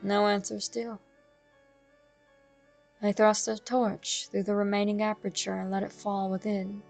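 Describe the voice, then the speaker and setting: A woman reading a classic horror tale aloud in a slow, measured, darkly dramatic way. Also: mid-range voice, flat delivery, vocal fry, darkish tone. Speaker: horror story narrator. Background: faint music.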